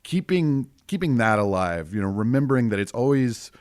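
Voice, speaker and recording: A middle-aged man with a deep voice, an improv performer and teacher talking casually in a podcast interview, often acting out bits of scenes. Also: dry recording, clean studio sound. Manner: animated, acts out quick bits of scenes with laughs.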